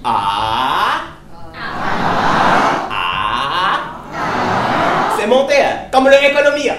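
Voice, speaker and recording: A woman's voice: high voice, normal speed, far from the mic, very noisy, lightly acted. Woman putting on a sing-song teacher. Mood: teasing. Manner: sing-song, exaggerated tones, chuckling asides. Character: cheerful female Chinese language teacher, cheeky and teasing. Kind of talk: stand-up character sketch. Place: comedy club stage. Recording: roomy live stage mic from afar. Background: loud audience laughter.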